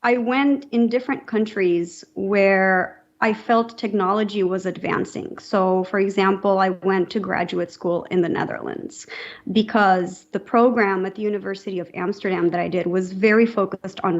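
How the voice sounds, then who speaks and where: A woman's voice: mid-range voice, fairly even intonation, moderate pace, dull audio. A young adult woman from Romania, a podcast guest talking earnestly and thoughtfully, with frequent fillers. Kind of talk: casual interview talk.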